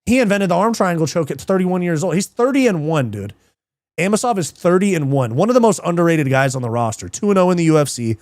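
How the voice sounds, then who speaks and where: A man's voice: fairly high pitch, fast talker, no room sound, studio quality. A man casually breaking down fights on a livestream, swearing, laughing and replying to live chat. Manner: profane, excitable, reads live chat, laughs often. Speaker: livestream MMA show host.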